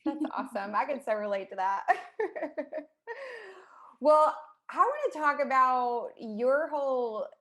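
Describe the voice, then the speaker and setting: A woman's voice: high voice, animated, takes it slowly, long pauses, fairly bright tone. A woman hosting a podcast, speaking in an upbeat, enthusiastic casual tone. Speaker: podcast host. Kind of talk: casual interview chat.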